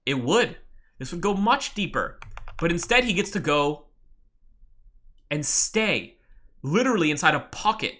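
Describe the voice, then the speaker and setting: Mentor type, excitable and swears freely; bright, forceful tone with big pitch swings. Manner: excitable, bursts into loud exclamations, swears often. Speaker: trading mentor. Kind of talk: live webinar teaching.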